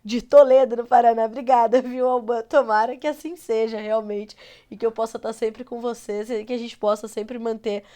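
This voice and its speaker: A Brazilian woman with a cold anchoring a live agribusiness news show, her voice nasal and congested as she runs through market prices. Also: fairly high pitch. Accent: Brazilian Portuguese. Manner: brisk, reads prices in a steady run.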